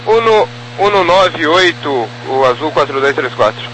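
A man with a Brazilian accent, a pilot reading back clearances over a two-way radio. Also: fairly high pitch, animated, normal speed, a bit bright. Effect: heard over two-way radio. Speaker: airline pilot. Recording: very noisy cockpit radio transmission.

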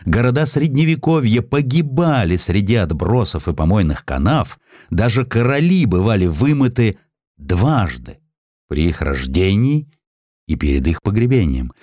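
A man's voice: fairly low pitch, big pitch swings, moderate pace, darkish tone, dry recording, clean studio sound. A man narrating a historical essay as a scripted audiobook, reading expressively and acting out the quotes.

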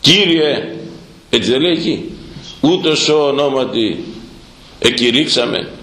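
A middle-aged priest delivering a sermon, dramatic and repetitive, his pitch swinging from high to low. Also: lively intonation, fairly bright tone, reverberant, low-quality recording. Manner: dramatic, repeating words for emphasis, swinging pitch. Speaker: Orthodox priest.

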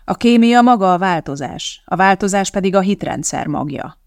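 An audiobook reader plays a troubled male scientist in a storybook reading, gentle and earnest, speaking in a gravelly, creaky tone. His voice sits in a middle register. The sound is dry and close to the mic. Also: medium pitch, lively intonation, no echo.

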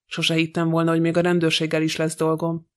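Reading an audiobook, a man voices a sly old housekeeper who gossips and grumbles with scorn. His voice is a little high and monotone, and the acting is light.

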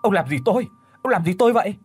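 A man's voice: high-pitched, expressive, very fast, breathy edge, pitched above the performer's own voice, full character voice. A man voicing a naive young woman caught in a trap, pleading and anguished in an audiobook. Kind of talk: audiobook character voice.

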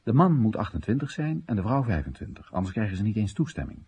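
A man's voice: fairly low pitch, very animated, quick pace, dark tone. An actor playing a wry Chinese everyman who narrates and questions his country's policies in a radio drama monologue, ironic, rhetorical and theatrical. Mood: ironic, indignant.

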